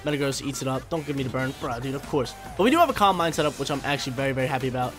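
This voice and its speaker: A man's voice: mid-range voice, lively intonation, very fast, fairly bright tone. A young man with a stuffy, nasal voice from allergies, giving hyped, slangy commentary over his own video game battles from a small room at home. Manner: hyped, slangy, talks to himself about moves. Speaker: gaming YouTuber. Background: faint game music.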